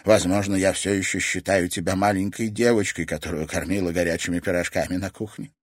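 A man's voice: a little high, animated, brisk, no room sound, studio quality, voice pushed up, close to an everyday voice. A man voicing a firm but protective older woman, a grandmother, in an audiobook. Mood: pleading, protective.

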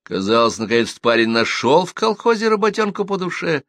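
A man narrating an audiobook with expressive storytelling in a dry, close recording. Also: a little high, a little fast, dry recording. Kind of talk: audiobook reading.

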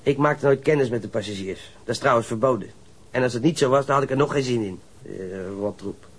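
Surly, husky young sailor played by an actor. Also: male voice, mid-range voice, fast talker, lightly acted. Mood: sullen. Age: young adult. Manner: sullen, coarse, stammers when riled. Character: surly, defensive young male sailor, a ship's stoker under questioning. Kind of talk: radio crime drama acting.

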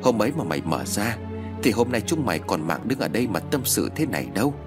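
A man's voice: fairly low pitch, very animated, fast, music in the background. A man voicing a scheming, vengeful older village woman who taunts and gloats in a spoken story. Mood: gloating.

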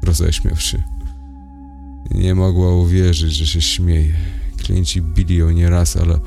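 Deep, gravelly man reading horror. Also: level tone, unhurried, warm tone, faint music behind. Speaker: audiobook narrator. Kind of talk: scripted horror narration.

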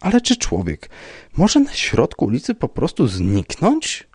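A man's voice: a little high, wildly swooping pitch, unhurried, darkish tone, husky, dry recording, studio quality, voice pushed up, full character voice. A man voicing a nervous, trembling man who pleads and insists in an agitated, shaky way. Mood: anxious.

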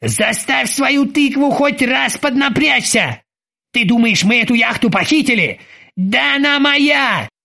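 A man voicing an irritable middle-aged yacht captain who barks and shouts in exasperation. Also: high-pitched, big pitch swings, slow, breathy edge, exaggerated voice. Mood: furious shouting.

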